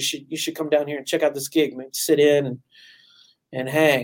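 A man talks at a fairly high pitch in an American accent. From US South (Memphis, Tennessee). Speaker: drummer. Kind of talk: interview. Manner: halting, many repetitions.

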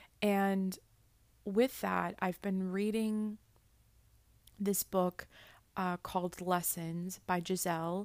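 A woman's calm, relaxed voice at medium pitch, monotone and flat, at a very slow pace with long, frequent pauses, in a very clean recording with a silent background. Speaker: podcast host. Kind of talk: casual monologue.

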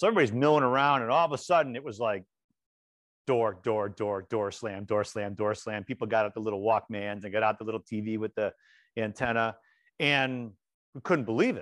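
A man talks fairly quickly at medium pitch, with ordinary pitch variation. He has a plain, everyday voice. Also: dry, close sound with no echo. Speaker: podcast host, lawyer. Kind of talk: casual interview.

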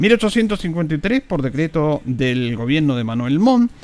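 With music in the background, a man speaks very slowly at a fairly high pitch, his voice swinging very widely in pitch. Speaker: local radio host. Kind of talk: radio talk show. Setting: radio studio.

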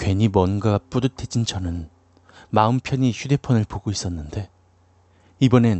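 Somewhat breathy, a man speaks in a fairly low pitch. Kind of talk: horror narration. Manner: formal, hushed storytelling that builds suspense.

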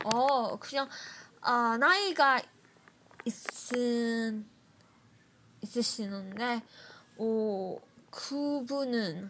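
A woman at a fairly high pitch, very slow pace and ordinary pitch variation. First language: not Korean (learner) (speaking Korean). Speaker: Korean learner vlogger. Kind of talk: casual monologue to viewers. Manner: halting, many fillers.

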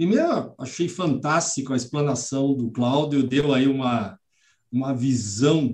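At a fairly slow pace, a somewhat breathy man talks with ordinary pitch variation. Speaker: building automation engineer. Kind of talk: live video panel discussion.

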